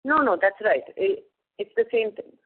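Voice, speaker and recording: A woman's voice: mid-range voice, expressive, normal speed. Indian businesswoman on a tinny phone line. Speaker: company executive. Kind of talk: earnings call answers. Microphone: telephone conference call.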